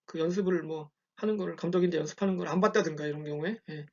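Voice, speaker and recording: A man lecturing in a relaxed, conversational way, often checking in with "예" and telling examples. The recording is dull and lo-fi. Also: a little high, rapid-fire. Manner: conversational, frequent "예" check-ins, storytelling examples. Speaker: university lecturer.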